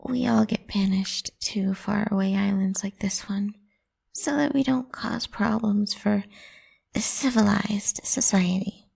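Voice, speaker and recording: A woman's voice: medium pitch, fairly even intonation, a little slow, heavily acted. Woman playing a whispery, possessive lamia girl. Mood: explaining softly. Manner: coaxing, teasing, soft and breathy. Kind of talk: whispered ASMR roleplay.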